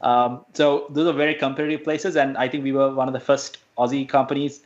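A man's voice: medium pitch, level tone, a little fast, highs cut off. A man from Sri Lanka, a guest on a radio interview, speaking hesitantly with many fillers and restarts.

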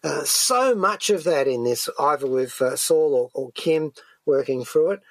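A man's voice: fairly high pitch, lively intonation, unhurried, no echo. A man hosting a radio show, chatting through an enthusiastic, discursive review. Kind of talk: conversational TV review chat. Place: dry radio studio.

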